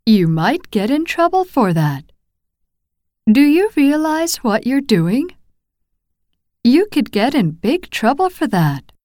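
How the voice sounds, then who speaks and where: A woman reading example phrases for English learners, slow and clearly enunciated. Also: high voice, big pitch swings, a little mellow, no echo, clean studio sound. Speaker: phrase reader.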